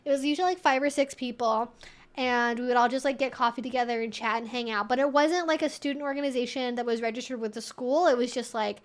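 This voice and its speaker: A woman's voice: on the high side, fairly even intonation, fast. A young woman hosting a livestream, chatting informally and thinking aloud in a rambling way as she answers viewers. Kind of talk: casual livestream chat.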